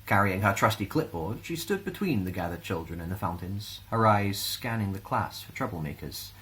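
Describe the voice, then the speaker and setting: Low, animated Scottish male storyteller. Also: moderate pace. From Glasgow, Scotland. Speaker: storyteller reading own short story. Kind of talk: expressive children's story narration.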